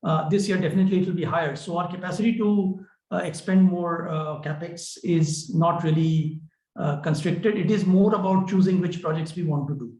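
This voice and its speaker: A man with an Indian accent answering questions as a company executive on an earnings call, explaining in a measured, hesitant way. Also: high-pitched, fairly even intonation, darkish tone. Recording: roomy, echoing conference call.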